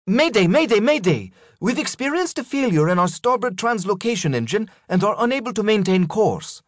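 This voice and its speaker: Man doing a woman starship captain, calm, measured, high-pitched, audiobook reading. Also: no room sound, studio quality. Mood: urgent, controlled. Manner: steady, measured commands.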